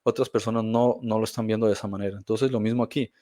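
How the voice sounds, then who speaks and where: A man's voice: fairly low pitch, steady tone, fast talker, warm tone, no echo, studio quality. A man speaking as a guest in a reflective conversation, emphatic and blunt, often restarting his sentences.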